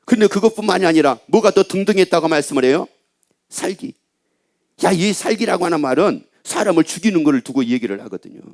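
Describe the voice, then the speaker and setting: A middle-aged man preaching a sermon as pastor, telling a story with lively asides and questions to the congregation. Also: sits high, quick pace.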